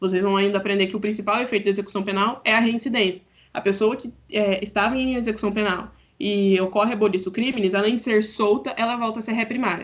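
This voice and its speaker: Talking very fast, a woman keeps her intonation fairly even. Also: fairly high pitch for a woman. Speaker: law student tutor. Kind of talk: lecture.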